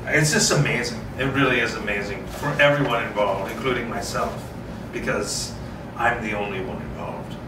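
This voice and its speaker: A man's voice: fairly low pitch, normal speed. A man reading a screenplay aloud and chatting casually, often repeating himself in a rambling way. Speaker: solo script reader and host. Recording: roomy, distant mic, clearly noisy.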